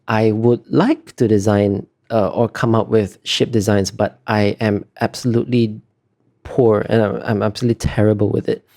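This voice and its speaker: A man giving casual interview answers as a guest artist, thinking aloud in a halting, self-deprecating way. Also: lowish voice, flat delivery, a little mellow.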